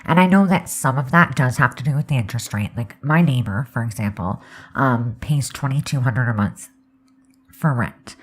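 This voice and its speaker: A young woman from Canada, chatting casually over a game build video, her voice scratchy and hoarse from a sore throat. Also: extremely low pitch, moderate pace. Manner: rambling, candid, lots of um and like. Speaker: Sims speed build creator.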